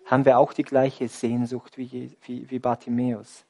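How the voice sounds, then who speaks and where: A man preaching a sermon, asking the congregation rhetorical questions and swinging between loud, emphatic passages and hushed, near-whispered lines. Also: mid-range voice, monotone, moderate pace.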